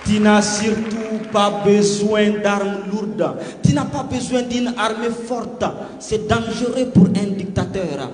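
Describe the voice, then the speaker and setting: A man's voice: extremely high pitch, darkish tone, a little hiss or hum. A man performing slam poetry in a rhythmic, declamatory delivery. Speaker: slam poet. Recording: long hall reverb with music underneath.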